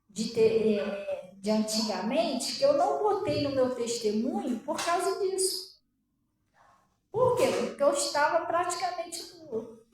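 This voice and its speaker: A woman pastor with a Brazilian Portuguese accent giving her testimony as a sermon, conversational and animated, often asking the congregation questions. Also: high-pitched. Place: church hall. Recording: echoey room, voice far from mic.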